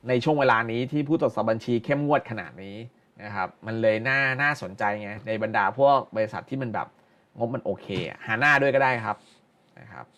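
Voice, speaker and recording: A man's voice: fairly high pitch, fairly bright tone. A middle-aged man giving casual live stock market commentary, blunt and slangy, repeating phrases for emphasis.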